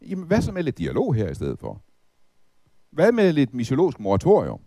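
A middle-aged man preaching with a mellow, warm tone and a lively, swinging pitch. He asks the listeners one rhetorical question after another. The recording is dry and close, with no room sound. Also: no echo. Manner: lively, rhetorical questions, recites hymn verses. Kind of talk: Bible teaching talk.

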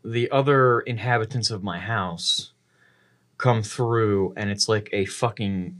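A man co-hosting a podcast, telling casual anecdotes in an animated way. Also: fairly low pitch, slow pace. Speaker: podcast co-host.

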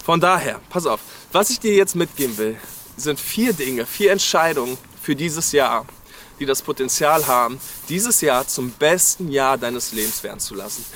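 A man's voice: medium pitch, lively intonation, normal speed, a bit bright, slight background noise. A man from Berlin preaching a sermon and speaking directly to listeners, urging them with frequent calls of "hey". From Berlin, Germany. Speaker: pastor. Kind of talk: New Year sermon.

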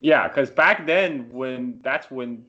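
A man's voice: mid-range voice, slow pace, pushed and bright. A man hosting a casual conversation, dropping in brief reactions and follow-up questions. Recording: dull lo-fi audio.

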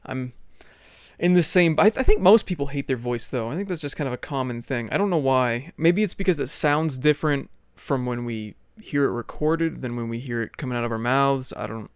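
A young man hosting a casual podcast, easygoing and curious, often trailing off quietly. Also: medium pitch, brisk, smooth, no echo, studio quality. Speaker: podcast host.

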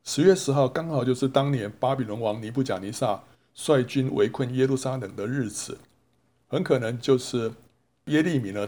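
A man's voice: medium pitch, a little mellow. A male Bible teacher telling a story as a sermon. He asks rhetorical questions, answers them himself, and draws out the particles at the ends of his sentences. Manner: drawn-out sentence-final particles.

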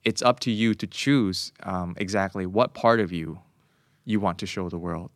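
Guy with a lowish voice, thoughtful, explains stuff w examples, dry close sound. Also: drawn-out words, dry recording. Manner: reflective, explains with examples, mixes in English phrases. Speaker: guest speaker on public speaking. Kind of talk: casual conversation.

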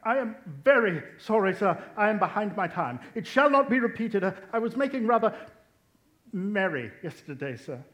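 An actor playing a meek, anxious clerk who stammers deferentially, in a theatrical radio play recorded on stage. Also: male voice, sits high, sing-song, moderate pace, fairly bright tone. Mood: apologetic. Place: theatre stage before a live audience. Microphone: shared stage microphone. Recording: live stage recording with music.

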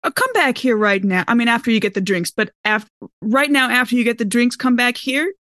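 A woman with a slightly high voice, recorded dry and close. She improvises casually as a player in a tabletop role-playing game, talking in an animated, conversational way and readily jumping in. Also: a little fast, no room sound.

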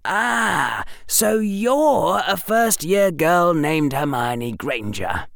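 A man voicing a clever, self-assured young boy wizard in a storybook reading, brisk and teasing. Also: fairly high pitch, sing-song, gravelly, a bit bright, dry recording, studio quality, voice pushed up, full character voice. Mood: smug. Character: cocky clever boy wizard, first-year.

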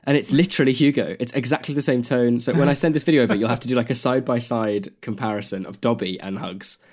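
A man's voice: mid-range voice, fairly even intonation, fast talker, a little mellow. A young man, co-hosting a podcast in chatty, enthusiastic talk. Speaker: podcast co-host. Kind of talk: casual podcast chat.

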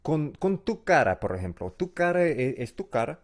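A man's voice: on the high side, very animated, normal speed. A man who is not a native Spanish speaker, co-hosting a casual podcast as a learner and hesitating while he searches for words.

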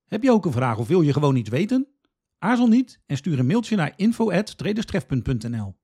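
Husky man, lively podcast host. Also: a little high, a little fast. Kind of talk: scripted explanatory podcast narration.

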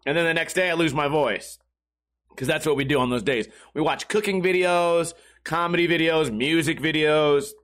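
A man hosting a podcast stream in casual chat, hoarse from losing his voice, talking in a loose, rambling and profane way. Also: fairly high pitch, moderate pace, a bit bright.

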